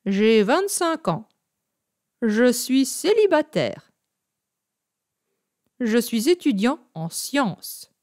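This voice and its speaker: A plain, friendly young student, read by a woman speaks slowly and clearly in a fairly high, lively voice. Each short sentence comes out evenly, as in a lesson dialogue. The sound is dry and close. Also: no echo, full character voice. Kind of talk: scripted language-lesson role play.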